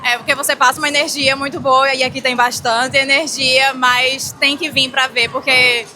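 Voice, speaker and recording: A woman's voice: high-pitched, little pitch movement, moderate pace, bright, forceful tone. A Brazilian woman with a Recife accent chatting casually and spontaneously as a visitor being interviewed. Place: busy craft fair. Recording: music clearly heard behind.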